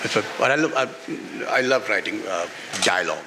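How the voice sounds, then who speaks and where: At a book event, a Pakistani-accented author and playwright answers interview questions unscripted on a festival stage, his lowish voice expressive. He speaks haltingly and repeats phrases for emphasis before the audience. Hall reverb and faint background noise are present.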